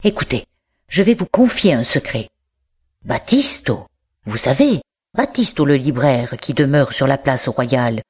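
A reader voicing an old male bookseller, miserly and secretive, who stammers and pleads over his precious books in a slow audiobook reading. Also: mid-range voice, slightly rough, full character voice.

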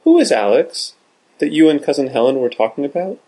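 A man's voice: a little high, sing-song, fairly quick, mellow, low-quality recording. A man voicing an eager young girl who earnestly pleads with her father in a storybook reading. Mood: curious.

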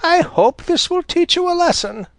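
A man voicing a sharp-tongued, cross old female fox in a storybook. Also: very high voice, animated, normal speed, no room sound, pitched above the performer's own voice. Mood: lecturing. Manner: scolding, snappish.

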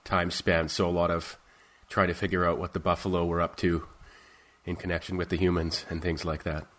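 A man hosting a podcast interview, asking questions in a measured way with frequent ums. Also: deep voice, flat delivery, a bit bright. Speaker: podcast host.

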